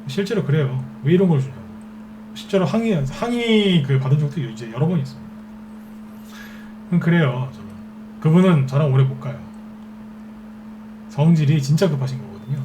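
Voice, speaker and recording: A man's voice: a little high, animated, moderate pace, long pauses, noisy background. A man giving a stock trading lecture as a market expert, who keeps asking rhetorical questions and answering them himself. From Seoul capital region.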